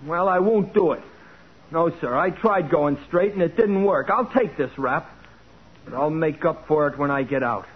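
An actor playing a defiant young delinquent with slangy streetwise diction in a 1940s radio crime drama. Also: male voice, a little high, moderate pace, breathy edge. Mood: defiant, bitter. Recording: dull, noisy 1940s radio recording.

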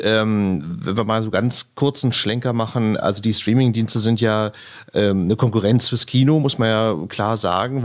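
Casual probing male interviewer. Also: on the low side. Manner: casual and probing, asks follow-ups. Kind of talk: interview questions.

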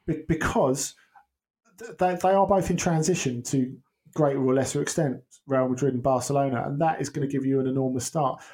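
A man's voice: mid-range voice, a little fast, mellow. A man giving casual football analysis on a podcast, thinking aloud with frequent restarts and ums. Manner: hesitant, many restarts and ums. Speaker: football pundit guest.

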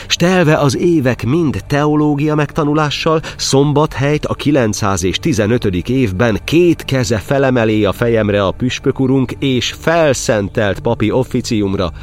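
A man's voice: mid-range voice, natural voice. An actor playing a humble, devout Catholic priest, reciting his memories in solemn verse in an audio drama. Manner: solemn, poetic declamation.

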